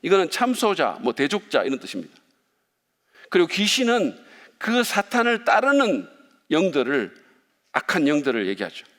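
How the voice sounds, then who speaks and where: A man's voice: on the high side, wildly swooping pitch, normal speed, long pauses, a bit bright. A male pastor preaching a sermon, playful and speaking directly to the congregation. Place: church sanctuary. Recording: long reverb of a church hall.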